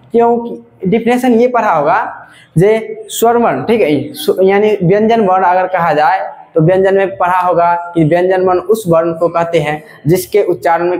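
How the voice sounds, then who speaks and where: Here a male teacher gives a grammar lesson, lingering slowly over example sounds and saying "ठीक है" time after time. The voice is high and slightly mellow, heard in a roomy space.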